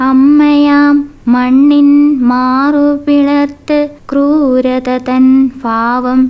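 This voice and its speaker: A woman recites poems in a melodic chant. Her voice is high and keeps within a narrow range, and the delivery is extremely slow and drawn out. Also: darkish tone. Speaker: poet reciting own work. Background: music.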